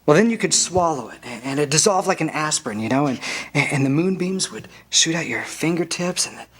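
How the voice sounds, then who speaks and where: An actor playing an earnest, restless young small-town dreamer in a 1940s radio drama style, with a halting, stammering, excitable delivery. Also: male voice, a little high, slightly rough. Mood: dreamy, eager. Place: live stage reading at microphones.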